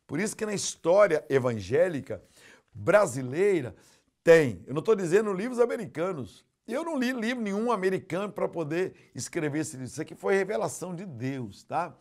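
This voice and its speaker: An older pastor from Brazil preaching a sermon, telling stories with acted quotes and swinging between loud outbursts and hushed asides. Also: male voice, high voice, animated, normal speed.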